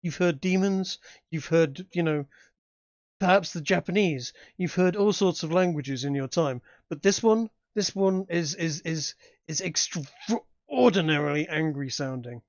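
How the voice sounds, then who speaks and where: A man's voice: fairly high pitch, dry recording, lo-fi sound. A man narrating a tabletop game as game master, describing scenes with frequent fillers and restarts. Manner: halting, many restarts and fillers.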